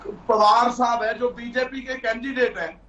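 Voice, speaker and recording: A man's voice: extremely high pitch, flat delivery, a little slow, pushed and bright. A man making an insistent, accusing statement in a heated debate, his voice carrying a heavy cave-like echo over a remote line. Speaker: political panelist. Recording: echoey distant dull remote line.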